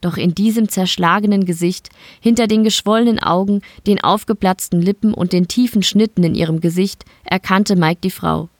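A woman from Bavaria reads an audiobook in a steady, measured way. Her voice sits at a middle pitch. The recording is close and dry, with no room sound. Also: no echo. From Bavaria, Germany. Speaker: audiobook narrator. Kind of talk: scripted narration.

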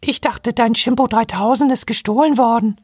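A man voicing a tiny male robot capuchin monkey with a piping, squeaky voice, eager and helpful. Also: normal speed, breathy edge, dry recording, studio quality.

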